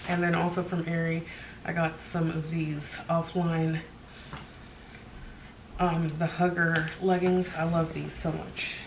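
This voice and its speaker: A woman's voice: low-pitched, flat delivery, slow pace, long pauses. A middle-aged American woman chatting casually to camera as a vlogger in a hotel room. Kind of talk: casual vlog chat, showing items to camera. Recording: clearly noisy room sound.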